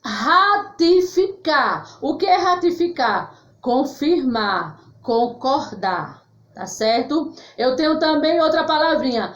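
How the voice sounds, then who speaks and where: Slow, high-voiced woman teaching children. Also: sing-song. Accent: Brazilian Portuguese. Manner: slow, clearly spelled-out words with frequent "tá certo?" check-ins; affectionate, calls pupils "meus amores". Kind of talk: grammar lesson for children. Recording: echoey room, slightly dull sound.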